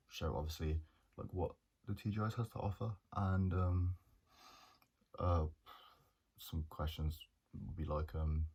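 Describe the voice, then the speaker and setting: A young man, a journalism student talking through his plans in a hesitant, monotone way with many pauses and restarts. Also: rumbling low, husky. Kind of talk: casual reflective monologue.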